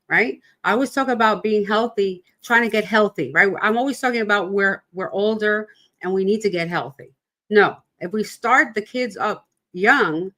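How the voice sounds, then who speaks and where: A woman's voice: medium pitch, fairly bright tone. A woman from New York hosting a casual livestream interview, chatty and rambling, laughing often. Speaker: podcast host. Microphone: video call livestream.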